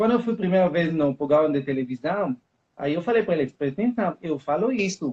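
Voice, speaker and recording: Recorded with a dry, close sound and no echo, a man with a high pitch talks at a fairly quick pace with lively intonation. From Israel. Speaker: investment educator and author. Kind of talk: casual chat. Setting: Instagram live video.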